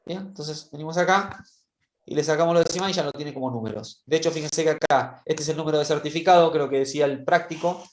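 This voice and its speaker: A man's voice: a little high, fast. Patient man teaching a class, roomy sound. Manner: patient, keeps checking in with students. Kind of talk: online class screen-share demonstration. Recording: roomy echo.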